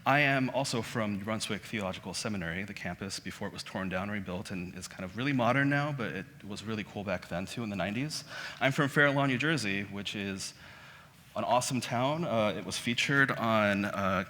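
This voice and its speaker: A Korean-born man in his thirties giving a relaxed, conversational public lecture, often restarting his sentences. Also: lowish voice, fairly quick. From South Korea. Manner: conversational, self-deprecating, many restarts. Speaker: guest lecturer. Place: auditorium. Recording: hall reverb.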